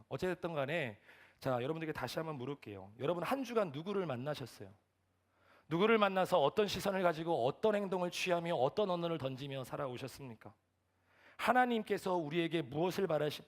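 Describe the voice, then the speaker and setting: A man in his thirties preaching a sermon to young adults, telling a story and acting out the shouting voices in it. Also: medium pitch. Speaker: pastor.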